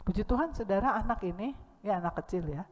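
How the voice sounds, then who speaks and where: A woman's voice: mid-range voice, lively intonation, fast, long reverb tail. A woman preacher with an Indonesian accent, giving an impassioned sermon that swells to emphatic peaks. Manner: acts out dialogue with a child.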